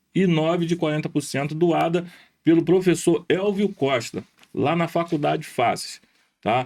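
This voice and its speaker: A man speaks fairly slowly in a fairly high voice. His pitch varies in an ordinary way. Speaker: podcast host. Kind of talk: giveaway promo; podcast interview.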